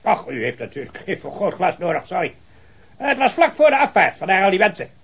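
A husky, animated old colonel. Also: male voice, high voice, a little fast, heavily acted. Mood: cheerful, rambling. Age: older. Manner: rambling, hearty, with repeated affirmations and chuckles. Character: talkative, hard-of-hearing, jovial old retired colonel. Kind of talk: radio drama acting.

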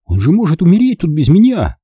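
A male reader voicing a small, frightened boy who pleads and shouts for help. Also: high voice, huge pitch swings, moderate pace, slightly rough, no room sound, highs cut off, pitched above the performer's own voice, heavily acted. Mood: desperate.

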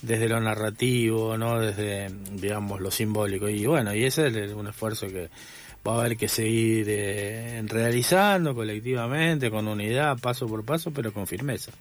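A documentary film director with an Argentine accent, speaking reflectively in a radio studio interview and pausing often on filler sounds. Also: male voice, on the low side. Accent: Argentine Spanish.

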